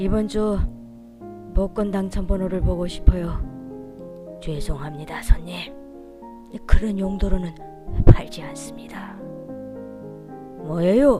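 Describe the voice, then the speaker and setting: With music in the background, a soft-spoken woman with a fairly low pitch talks very slowly in a calm tone, using lively intonation, big swings in loudness, and long, frequent pauses. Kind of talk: audiobook novel reading for sleep. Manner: calm, soft-spoken.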